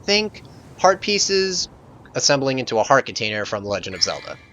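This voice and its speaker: Bright-voiced man doing game commentary. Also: medium pitch, sing-song, moderate pace, a little hiss or hum. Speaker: video game let's play host. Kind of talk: casual gameplay commentary.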